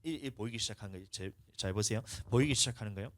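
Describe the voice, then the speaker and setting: A man with a Gyeongsang Korean accent preaching a sermon in a church, telling a testimony and swinging between hushed talk and loud shouts. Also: fairly low pitch, racing, no echo. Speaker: pastor. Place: church sanctuary.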